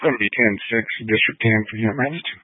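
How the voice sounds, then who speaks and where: A man, a highway patrol officer calling in over a two-way radio in terse, clipped codes. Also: fast talker, breathy edge, dry recording. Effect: heard over a two-way radio. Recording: tinny, dry two-way radio channel.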